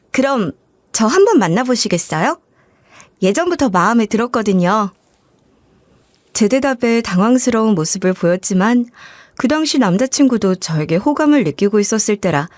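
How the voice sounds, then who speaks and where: A woman narrating a scripted life story in a gentle, even storytelling manner. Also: medium pitch, dry recording.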